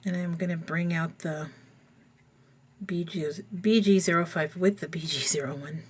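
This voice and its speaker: A woman with a somewhat low, slightly froggy voice talks casually through her coloring technique, thinking aloud as she works. It has the easy, unhurried feel of a hobby tutorial voice-over. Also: steady tone, slightly rough. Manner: chatty, thinking aloud while working.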